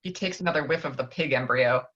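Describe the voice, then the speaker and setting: A woman's voice: extremely low pitch, quick pace, fairly bright tone. A woman narrating stage directions from a screenplay in a table read. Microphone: virtual table read over video call. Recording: dull lo-fi video call audio.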